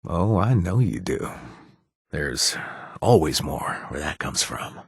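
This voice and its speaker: A wry, husky ex-raider. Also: male voice, very deep voice, very animated, slow pace, dry recording, clean studio sound, heavily acted. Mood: caring. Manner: joking, warm and protective. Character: wry ex-raider man, friendly informant. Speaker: game companion. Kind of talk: video game voice lines.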